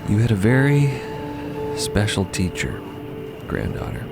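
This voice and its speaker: A man plays a vulnerable trans woman in an audio drama, earnest and confessional. The voice is low and slow with fry in it. It halts, sighs and thins into hushed near-whispers, with prominent music underneath. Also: very animated. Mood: quiet, warm. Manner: halting, sighing, breaking into hushed near-whispers. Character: adult trans woman, wounded, self-doubting, earnest, confessional. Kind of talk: emotional dramatic monologue in a narrated fiction podcast. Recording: loud music bed.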